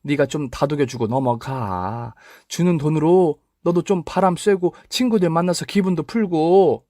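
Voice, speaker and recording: A man's voice: on the high side, normal speed, warm tone, no echo, clean studio sound, pitched above the performer's own voice, natural voice. A man voicing a preachy old mother. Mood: lecturing. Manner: lecturing, scolding. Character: older woman, preachy mother siding with son-in-law.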